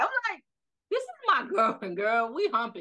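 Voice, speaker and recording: With a New York accent, a woman talks at a fairly quick pace in a bright, sharp tone, her pitch swinging very widely. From Brooklyn, New York. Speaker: content creator and single mom.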